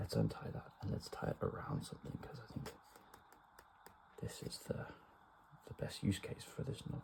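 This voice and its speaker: A soft-spoken voice in a relaxed tone, with noticeable background noise behind it. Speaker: ASMR content creator. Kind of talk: quiet ASMR learning session, soft-spoken talk to camera. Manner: soft-spoken, slow, relaxed.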